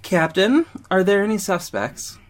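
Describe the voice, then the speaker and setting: A sharp-tongued, confident gay man played by a male actor in an audio drama. His voice sits fairly high and swings widely up and down, with theatrical, biting delivery. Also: very animated, unhurried. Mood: businesslike. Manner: theatrical, pointed, biting sarcasm.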